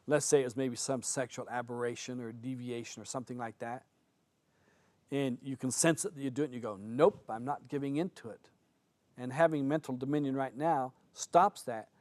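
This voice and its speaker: A man's voice: medium pitch, a little mellow, no room sound. An older man teaching a spiritual seminar in a conversational way, telling stories and acting out quoted lines. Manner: conversational, anecdotal, with acted-out quotes. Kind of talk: seminar talk.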